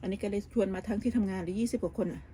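A woman chats in a gossipy, rambling way, often starting over mid-sentence. Her voice is mellow and soft-edged. Faint clinking of dishes and pans sits behind her in a home kitchen. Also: medium pitch, very fast, slight background noise. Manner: gossipy, talks with many restarts and fillers. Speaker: vlogger. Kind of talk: casual chatty storytelling.

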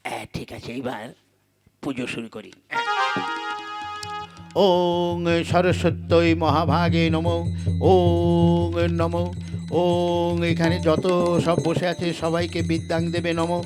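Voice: medium pitch, fairly even intonation, slow, long pauses, lightly acted. A performer voicing a greedy, thieving Brahmin priest puppet in a Bengali folk comedy, by turns muttering and calling or chanting. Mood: pompous. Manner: calls out for customers, mutters slyly, botches chanted mantras. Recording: loud music behind the voice. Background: music.

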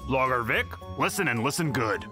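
A man playing a cautious, suspicious bear who leads sensibly, speaking in a stern, deliberate cartoon style. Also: medium pitch, expressive, natural voice. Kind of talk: cartoon dub acting. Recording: music behind the voice.

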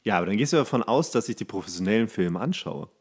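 A man's voice: lowish voice, lively intonation, quick pace, breathy edge. A man chatting casually as a podcast co-host, teasing and spinning hypothetical scenarios. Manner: teasing, spins hypothetical scenarios with acted-out quotes. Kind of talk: casual comedic podcast banter.

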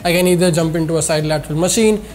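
This Indian-accented fitness channel host in his twenties delivers a scripted-style instructional vlog to camera, repeating points emphatically, from an indoor studio with a plain backdrop. A head cold and sore throat leave his voice a nasal, congested whine, pitched on the high side, racing, and darkish. He's recorded on a lapel mic.

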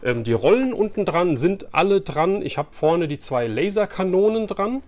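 A man's voice: high voice, sing-song, normal speed, a little mellow. A man chats casually and colloquially to camera as an enthusiastic host. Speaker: YouTube host, toy collector. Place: small furnished room lined with shelves of collectibles.

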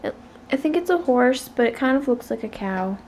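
A woman in her twenties, a mother vlogging at home at night, chatting casually and slowly to a phone held at arm's length. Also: a little high, background noise. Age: 20s. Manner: relaxed, chatty, slow. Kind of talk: casual vlog chat to camera. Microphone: phone camera at arm's length.

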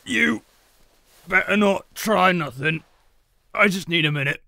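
A man acts out a gruff henchman-type guard for an audio drama. He is blunt, slangy and put-upon, with a bright, forceful edge and lively swings of pitch over a slow delivery. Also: no echo, exaggerated voice. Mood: pained, grumbling. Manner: blunt, working-class slangy speech. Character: gruff, put-upon villain's minion guard with bad back. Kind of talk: audio roleplay drama acting.

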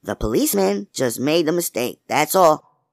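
A young woman as a male storyteller acts her speaks softly and pleadingly. The pitch is lifted well up and moves in lively swings, close and dry. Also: normal speed, creaky, dry recording. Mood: soft, soothing. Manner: soft, pleading. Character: young woman, soft-spoken daughter soothing her father.

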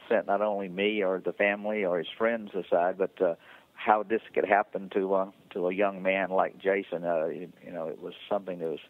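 Halting deep-voiced man on a phone line. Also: dry recording. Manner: halting, many fillers and restarts. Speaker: interview guest, foundation founder. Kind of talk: phone interview.

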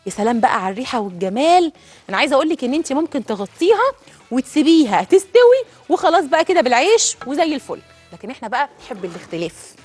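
Fast, husky Egyptian woman cooking host. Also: sits high, very animated, darkish tone, faint music behind. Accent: Egyptian Arabic. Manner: chatty, addresses viewers directly. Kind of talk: cooking demonstration.

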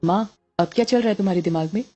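A woman's voice: mid-range voice, rapid-fire, dark tone, slightly rough, dull audio, faint music behind, natural voice. Woman voicing an anxious pleading young daughter. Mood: questioning. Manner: insistent, pleading.

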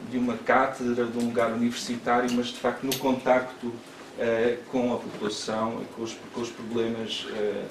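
A man's voice: mid-range voice, level tone, moderate pace, far from the mic. A man, introducing a guest speaker in a seminar room, hesitant with many fillers. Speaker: event moderator. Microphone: far room camera. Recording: echoey room from afar, background noise.

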